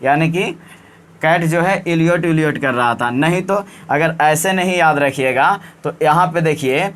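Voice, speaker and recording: A man with a slightly high voice teaches in a relaxed exam-prep style. He repeats each point and keeps checking with his students by ending sentences with a question tag. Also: unhurried, smooth. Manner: repetitive, coaxing, often ends with "है ना". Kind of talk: casual exam-prep lesson.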